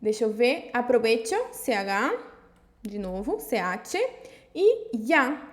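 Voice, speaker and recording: A woman teaching a language lesson in a casual spoken style, checking in often with "tá?" and "ok?" and reading example phrases slowly and carefully. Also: fairly high pitch, lively intonation. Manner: explains with many "tá?" and "ok?" check-ins, reads Spanish slowly and carefully. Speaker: Spanish teacher.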